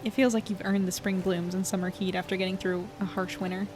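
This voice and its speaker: A woman's voice: mid-range voice, flat delivery, quick pace, background noise, natural voice. A woman playing a thoughtful, easygoing young woman in a naturalistic audio drama, speaking in a reflective way.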